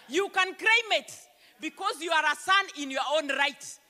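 A Kenyan woman pastor preaches into a handheld mic, her high, bright voice pressing each point with emphasis. She slows down to read scripture aloud, and long church reverb trails her words. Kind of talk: sermon. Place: church stage, large hall.

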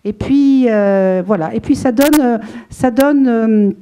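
A woman's voice: a little high, takes it slowly, dark tone, slight background noise. A middle-aged French woman talking about her writing at a book event, holding a handheld mic and speaking in a rambling way with many fillers and restarts. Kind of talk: casual spoken talk to an audience. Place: small room with a seated audience.

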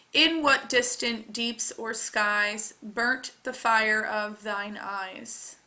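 A woman teacher reading scripted test questions aloud in a deliberate, carefully enunciated way. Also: a little high, sharp tone.

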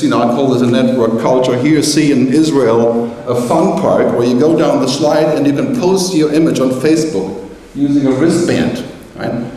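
A middle-aged man giving a lively conference keynote, joking as he gestures on stage. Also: on the high side. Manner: animated, gesturing, joking asides. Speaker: keynote speaker. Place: large conference hall. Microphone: headset mic. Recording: echoey hall, voice from far off.

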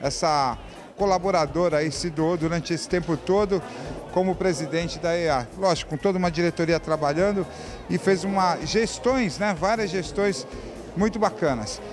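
A man's voice: high voice, normal speed, music in the background. A man with a Brazilian Portuguese accent, hosting and interviewing guests at a party with a handheld mic, full of compliments. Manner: enthusiastic, complimentary. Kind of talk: upbeat event interview. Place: crowded evening party venue.

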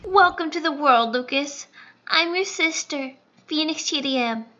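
A woman voicing an excitable, sweet little girl pony in an amateur cartoon, with a childlike, gushing manner. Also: high-pitched, unhurried, lo-fi sound. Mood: tender.

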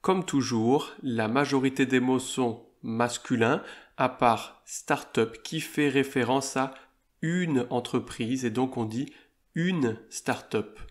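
A man teaching a video lesson, explaining words slowly and carefully and spelling out letters. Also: medium pitch, roomy sound. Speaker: French teacher.

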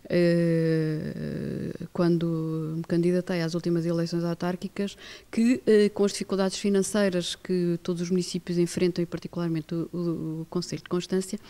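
Low, mellow Portuguese woman's voice. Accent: European Portuguese. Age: middle-aged. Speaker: mayor being interviewed. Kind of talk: formal interview answer. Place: indoors, plain-walled room. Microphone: handheld reporter microphone.

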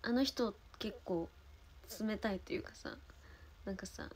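A young woman with a relaxed Osaka Kansai accent hosts a casual livestream, spinning chatty stories and breaking off to thank viewers. She often drops to soft, murmured asides, recorded close on the mic. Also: mid-range voice, measured pace, a little hiss or hum. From Osaka, Japan. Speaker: idol livestream host.

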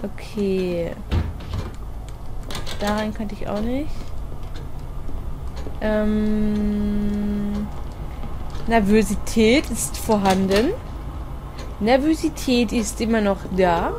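A woman giving chatty, excitable commentary while playing a horror game, talking to herself and swearing now and then. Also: medium pitch, very slow, pauses often, background noise. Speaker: let's play gamer.

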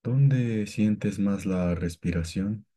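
A man guiding a meditation with calm, gentle, scripted instructions and long pauses between phrases. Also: fairly low pitch. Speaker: meditation guide.

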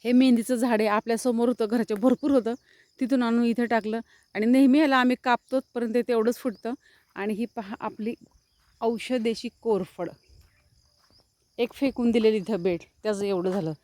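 A woman's voice: a little high, fairly even intonation, normal speed, a little mellow, dry recording. Chatty woman outdoors. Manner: chatty, showing things as she walks. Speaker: vlogger. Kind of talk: casual walk-around vlog narration. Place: outdoors on a rural farm among trees and cattle.

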